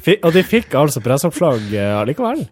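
A man's voice: fairly high pitch, big pitch swings, a little mellow, dry recording, clean studio sound. A man hosting a casual chat show with media commentary. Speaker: podcast host.

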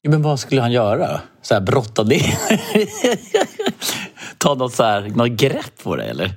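A man's voice: mid-range voice, huge pitch swings, breathy edge. A man co-hosting a podcast in casual chat, joking and argumentative, with hesitant fillers. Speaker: podcast co-host.

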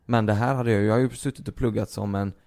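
Swedish-speaking guy with a gravelly voice, cursing away, venting in a loose podcast chat. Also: lowish voice. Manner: profane, venting, animated storytelling. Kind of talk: casual chat.

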